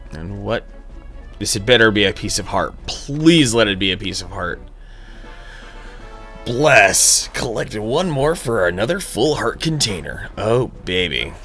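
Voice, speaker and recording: Animated, joking man streaming a game. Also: lowish voice, a little slow, faint music behind. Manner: playful, sarcastic, jokey, swears casually. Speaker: streamer playing a video game. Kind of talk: live gameplay commentary.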